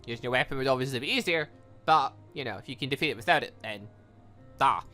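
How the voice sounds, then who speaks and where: An animated man with a bright, forceful voice gives casual gaming commentary. He rambles, trails off and corrects himself. Faint music plays behind him. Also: mid-range voice, fast. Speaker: gaming video host playing a visual novel. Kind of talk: casual let's-play commentary, reading game dialogue aloud.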